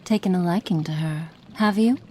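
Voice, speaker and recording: A woman voicing a cruel, cold witch experimenting on a captive in an ASMR roleplay, speaking slowly and menacingly and slipping into soft whispers. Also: on the low side, a little hiss or hum, close to an everyday voice. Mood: clinical, curious.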